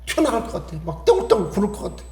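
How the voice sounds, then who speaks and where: Male pastor, high-pitched, emphatic repetitive sermon delivery, reverberant sanctuary sound. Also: wildly swooping pitch, rapid-fire, darkish tone. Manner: emphatic, repetitive preaching with rhetorical questions.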